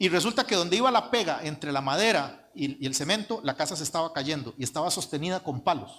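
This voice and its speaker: In a very clean recording with a silent background, a man with a fairly high pitch speaks at a very fast pace with lively intonation. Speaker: pastor. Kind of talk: sermon. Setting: church, livestreamed.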